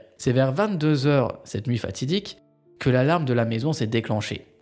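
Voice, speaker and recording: The intonation is lively and the pace moderate. The background stays quiet. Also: man. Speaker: true crime narrator. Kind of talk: true-crime narration, scripted storytelling. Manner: grave, measured, dramatic. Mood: serious, calm. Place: home room. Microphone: studio mic.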